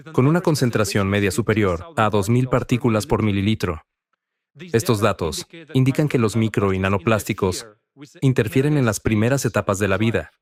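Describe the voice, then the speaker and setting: Lowish male conference speaker, even and formal. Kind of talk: formal scientific presentation.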